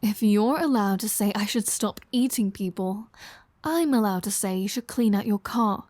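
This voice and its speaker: A woman's voice: mid-range voice, moderate pace, darkish tone, dry recording, lightly acted. A woman playing a flirty, sardonic female vampire in an audio roleplay, teasing the listener with dry sarcasm.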